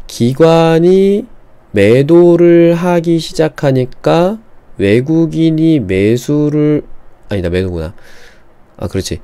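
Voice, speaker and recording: A man teaching a live-streamed stock trading lesson, explaining slowly and reading viewer chat aloud. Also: on the low side, dark tone, no room sound.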